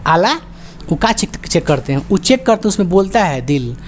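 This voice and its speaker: A woman teacher with a Bihari Hindi accent, lecturing a class and firing quick call-and-response questions, joking and scolding as she goes. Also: fairly low pitch, animated, slight background noise. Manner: quizzing students with rapid call-and-response questions.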